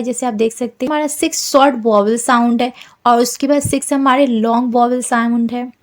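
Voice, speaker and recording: A woman tutor giving an explanatory exam-prep lesson, often repeating herself as she explains. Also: high-pitched.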